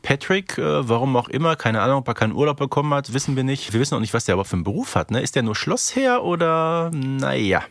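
A man's voice: medium pitch, sing-song, fast talker, hardly any pauses, no echo, studio quality. A man co-hosting a podcast, recapping a story in an analytical, conversational way with frequent rhetorical tag questions. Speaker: podcast co-host.

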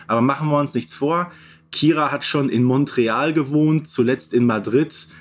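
A man's voice: mid-range voice, moderate pace. A man co-hosting a casual podcast chat, explaining things and seeking agreement with little tag questions. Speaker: podcast co-host. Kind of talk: casual chat reviewing children's audio dramas.

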